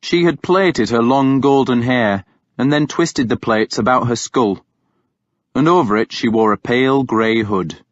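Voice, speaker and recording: A man narrating a novel in the first person with a dramatic, deliberate delivery. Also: medium pitch, no echo, dull audio. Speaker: audiobook narrator.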